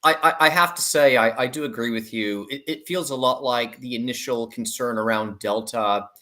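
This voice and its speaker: A man's voice: medium pitch, moderate pace, pushed and bright. A man speaking as an investment analyst in an interview, giving conversational commentary with repeated words and qualifying asides.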